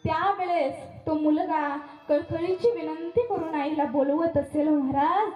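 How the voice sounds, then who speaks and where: A woman's voice: high-pitched, fairly even intonation, a little slow, lo-fi sound. A woman kirtan preacher giving a devotional sermon at a memorial gathering, repeating her points with emphasis and addressing listeners as maharaj. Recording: echoey room with faint music.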